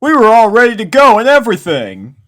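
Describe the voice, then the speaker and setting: A man's voice: high-pitched, wildly swooping pitch, a little fast, a bit bright, pitched above the performer's own voice, exaggerated voice. A man voicing a laid-back, teasing young colt pony who drawls, in a storybook reading. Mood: indignant. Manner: drawling, boyish.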